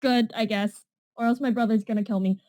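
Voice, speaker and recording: A woman's voice: fairly high pitch, steady tone, a little fast, warm tone, no room sound. A young woman with a Canadian accent co-hosting a casual podcast, answering with dry quips. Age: young adult. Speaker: podcast co-host.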